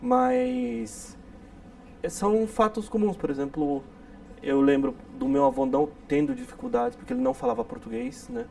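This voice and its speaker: A man from the interior of São Paulo, a guest speaking in a measured way and searching for his words. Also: very high voice, animated, vocal fry, mellow. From Brazil, interior of São Paulo. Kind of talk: casual interview talk. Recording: distant mic with faint noise.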